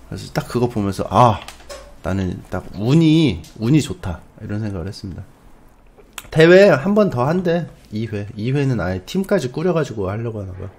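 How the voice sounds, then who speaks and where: Man, streamer, casual storytelling, lively pitch, slightly husky. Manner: animated, acts out his own past lines with loud outbursts.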